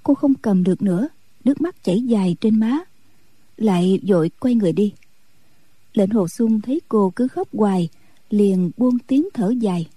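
Lady reading a storybook, dusky mellow voice, kinda husky, steady. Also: medium pitch, moderate pace, no echo, rough recording. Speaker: audiobook narrator. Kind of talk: storybook narration.

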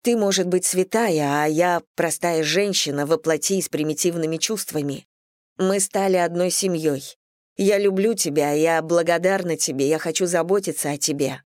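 A woman reader giving voice to a tired, firm businesswoman who keeps her reasoning measured and steady. Her voice sits fairly low, and the sound is dry and close to the mic. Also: no room sound, close to an everyday voice. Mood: firm weary.

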